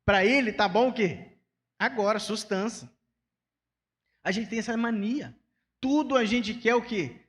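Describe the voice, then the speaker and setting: High-voiced Brazilian pastor preaching. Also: male voice, fairly bright tone, big-room sound. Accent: Brazilian Portuguese. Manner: conversational preaching, acting out everyday dialogues. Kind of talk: sermon. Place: church sanctuary.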